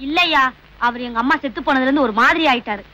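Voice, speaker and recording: A woman's voice: high voice, fast, sharp tone. A woman as a girlfriend teasing and pressing her lover about marriage in film comedy dialogue. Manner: teasing, prodding questions.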